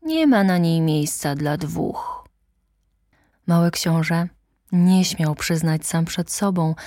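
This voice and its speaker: A woman reads a children's classic aloud in a calm, measured voice. Her pace is very slow and her tone sits slightly low. The sound is close and dry. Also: dry recording. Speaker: audiobook narrator. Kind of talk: storybook reading.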